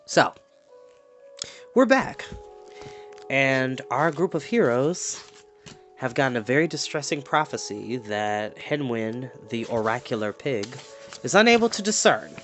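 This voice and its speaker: A man hosting a storytime, chatty and animated, moving between casual talk and story reading. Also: medium pitch, measured pace, long pauses. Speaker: storytime host and reader. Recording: music playing in the background.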